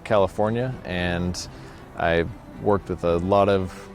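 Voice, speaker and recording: A man from Oregon, a police officer, talking in a plain, steady, conversational way in an interview. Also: deep voice, takes it slowly, soft background music. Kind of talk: recruitment video interview.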